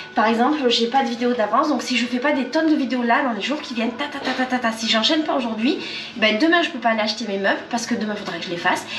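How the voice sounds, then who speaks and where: A woman's high voice at a very fast pace, ordinary pitch variation, faint music in the background. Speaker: vlogger. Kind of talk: casual vlog chat. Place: kitchen. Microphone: phone near.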